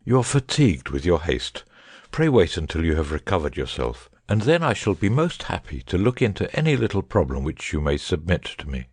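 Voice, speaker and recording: A man voicing a calm, shrewd detective who speaks in measured, soothing tones. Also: deep voice, no echo, clean studio sound, voice pushed down, heavily acted. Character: calm, shrewd male detective, middle-aged.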